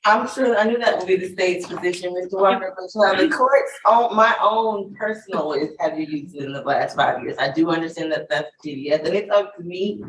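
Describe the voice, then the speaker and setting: A woman judge running a courtroom plea hearing, asking formal questions in a brisk, measured way. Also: fairly low pitch, echoey room. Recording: distant mic with faint noise.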